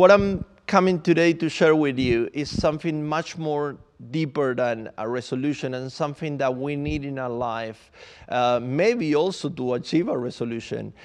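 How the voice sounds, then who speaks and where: A man speaks in a fairly high pitch with a Spanish accent. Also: ordinary pitch variation, moderate pace. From Argentina, Buenos Aires. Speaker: church speaker, film producer. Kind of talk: sermon. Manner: halting, many fillers and repetitions.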